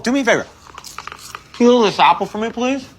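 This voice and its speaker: A woman playing a whiny, childlike, stubborn character in a comic skit, husky and insistently pleading. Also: a little high, animated, brisk, loud music behind the voice, close to an everyday voice.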